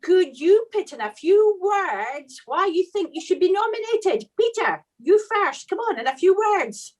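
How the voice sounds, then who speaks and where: Female host, North East Scottish Doric accent, high pitch, informal interview style. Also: big pitch swings, a little slow, a little mellow. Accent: Doric, North East Scotland.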